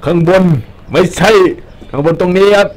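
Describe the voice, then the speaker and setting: A young man giving casual, joking commentary over his gameplay, excitable and swearing at enemies. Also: high-pitched, moderate pace. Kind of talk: casual Let's Play commentary.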